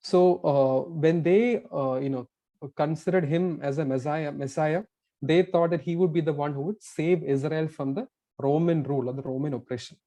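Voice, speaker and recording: A male preacher delivers a sermon at a pulpit microphone in a church. His voice sits slightly high but sounds warm and mellow. He explains earnestly and often stops to restart a thought. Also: moderate pace.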